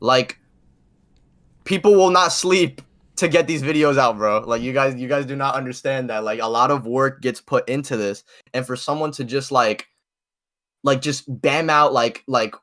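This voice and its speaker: A man chatting casually as a podcast co-host, halting and slangy, with frequent filler words as he makes his point. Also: mid-range voice, a bit bright. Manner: halting, slangy, heavy use of "like". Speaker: podcast co-host, video creator. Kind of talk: casual opinion chat.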